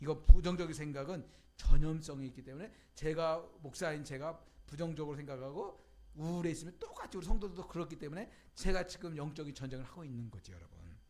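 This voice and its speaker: Amid audible room echo, a man speaks very fast in a fairly high pitch, with ordinary pitch variation and big swings in loudness. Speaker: pastor. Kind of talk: sermon. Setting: church.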